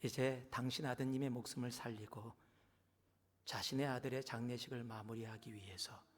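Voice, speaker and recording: A man voicing a tearful female nurse in a hushed, half-whispered voice. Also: medium pitch, steady tone, normal speed, lightly acted. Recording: long church hall reverb.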